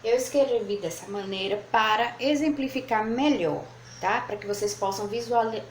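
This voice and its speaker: A woman teaching a lesson at a board, patiently spelling out words syllable by syllable. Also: medium pitch. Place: room with whiteboard. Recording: echoey room, faint background noise.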